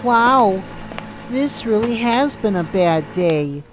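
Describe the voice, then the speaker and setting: A woman acting a worried, sympathetic friend in an audio drama, speaking slowly with concern. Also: medium pitch, animated, over music.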